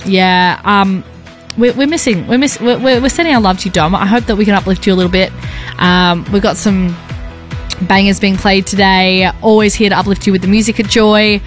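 A woman's voice: mid-range voice, steady tone. A woman co-hosting a radio show, bubbly and laughing in breezy banter. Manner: bubbly, laughing, quick to gush. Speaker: radio host. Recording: radio studio with faint music.

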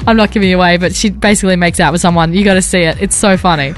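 A woman's voice: fairly low pitch, fairly even intonation. A woman co-hosting a radio show, bubbly and laughing in breezy banter. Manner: bubbly, laughing, quick to gush. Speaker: radio host. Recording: radio studio with faint music.

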